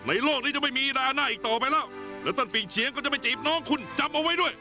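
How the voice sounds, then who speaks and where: A man dubbing a Thai TV drama, playing an indignant young man who loudly accuses a ghost of tricking him. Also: very high-pitched, quick pace, over music. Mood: furious. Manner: loud, accusing, stubborn.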